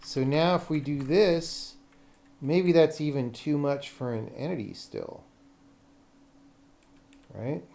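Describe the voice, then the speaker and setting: A man's voice: a little high, takes it slowly, gravelly, long pauses, a little mellow. A man live streaming as he programs a game, thinking aloud casually in short fragments, blunt and sardonic, with casual swearing. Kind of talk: casual off-the-cuff coding commentary.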